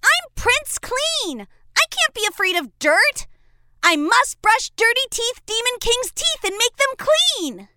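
A woman's voice: very high voice, big pitch swings, slow, noisy background, pitched above the performer's own voice, heavily acted. A woman voicing a brave, cheerful young boy prince in a storybook, sounding eager and encouraging. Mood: chirpy. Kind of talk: storybook character voice.

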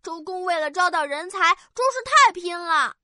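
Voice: very high voice, lively intonation, moderate pace, bright, forceful tone, no echo, studio quality, exaggerated voice. An actor playing a cheeky, gluttonous childlike character in a children's audio drama, with a playful, exclamatory and naively boastful manner. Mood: admiring. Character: cheeky, gluttonous, childlike listener named Naonao.

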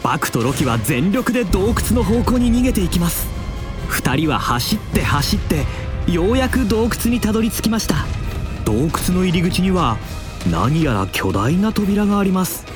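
A man tells a children's adventure story with expressive, dramatic pacing. His voice sits a little high and moves up and down a lot, over soft background music. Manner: expressive, drawn-out dramatic telling. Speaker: narrator.

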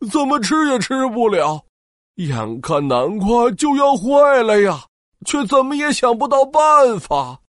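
A woman's voice: a little high, no echo, studio quality. A woman voicing a fussy, worried mouse mayor who loves parties, in a children's audio story.

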